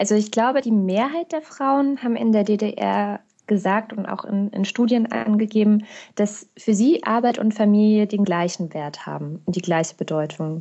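A woman's fairly high, somewhat breathy voice with lively intonation. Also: moderate pace. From East Germany, then West Germany. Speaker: journalist and blogger. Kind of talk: interview. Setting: Skype call. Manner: hesitant, many fillers.

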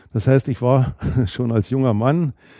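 At a fairly quick pace, a man uses an unremarkable speaking voice with ordinary pitch variation, the sound dry and close with no echo over a quiet background. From eastern Germany, Brandenburg (Wittenberge). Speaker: former political prisoner. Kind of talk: testimony.

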